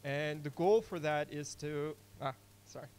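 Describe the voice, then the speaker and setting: A man's voice: on the high side, a little slow, darkish tone, slight background noise. A young man giving a casual technical talk at a conference, with many fillers and restarts. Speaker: conference speaker. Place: conference hall.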